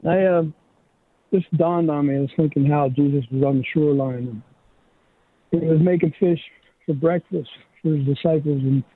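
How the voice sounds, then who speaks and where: Male first-time caller from Ohio, halting and friendly, somewhat high, on a phone line. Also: fairly even intonation, no room sound.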